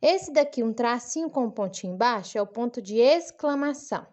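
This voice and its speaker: A woman teaching a children's lesson, speaking slowly and clearly in a sing-song manner for young kids. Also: on the high side, expressive, a little mellow. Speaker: primary school teacher. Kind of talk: recorded online lesson for children.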